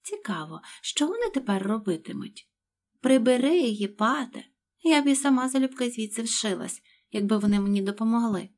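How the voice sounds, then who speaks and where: A woman voicing young Alice, a curious girl musing aloud to herself, in a husky voice. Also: a little high, fairly quick. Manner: lively, musing.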